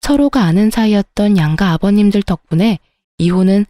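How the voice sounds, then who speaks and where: A woman narrating a dramatic first-person story in a steady, matter-of-fact way. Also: medium pitch, brisk, no room sound, studio quality.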